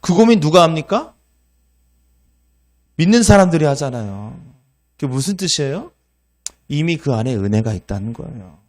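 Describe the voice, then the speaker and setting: Male pastor preaching with a fairly high voice, emphatic, rhetorical, by turns loud and soft. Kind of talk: sermon.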